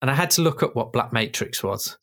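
A man's voice: medium pitch, animated, fairly quick, fairly bright tone. A man co-hosting a podcast, chatting casually and asking quiz questions with dry, wry jokes. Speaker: podcast co-host.

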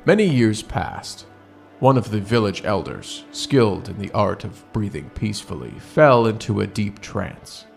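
Male tabletop storyteller, low and animated, formal measured phrasing, faint music behind. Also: gravelly. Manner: formal, measured, halting wording. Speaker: player in a tabletop roleplaying game. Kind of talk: improvised in-character storytelling.

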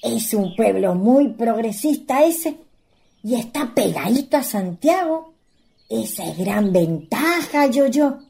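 A woman playing a courteous, chatty young country hostess with a rural Chilean accent and a breathy voice in a radio play. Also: fairly high pitch, animated, slow pace, warm tone, exaggerated voice. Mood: eager, chatty. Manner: folksy, solicitous, polite.

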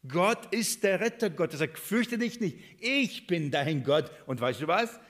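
Preacher, male, a slightly high voice, sermon delivery, reads verses slowly with heavy stress, fires rhetorical questions at the room. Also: expressive, fairly bright tone. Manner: reads scripture aloud, slowing and stressing key words; asks the congregation rhetorical questions.

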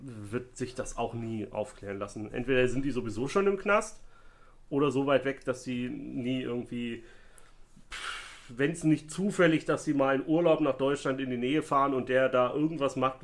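A man's voice: mid-range voice, moderate pace. Guy co-hosting a crime chat podcast, mid voice, jokey, rambles through theories. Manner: joking, speculative, rambling. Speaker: podcast co-host. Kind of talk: casual chat about a crime case.

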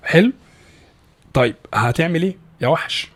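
A man with an Egyptian Arabic accent, a guest teaching English pronunciation in a casual podcast talk, animated and full of restarts. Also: a little high. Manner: animated, fast, many restarts and repeated words.

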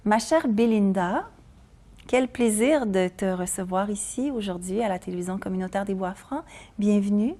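Brief: woman interviewer, mellow tone, friendly and prompting. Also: mid-range voice, normal speed, slight background noise. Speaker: community TV host. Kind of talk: interview host. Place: community TV studio.

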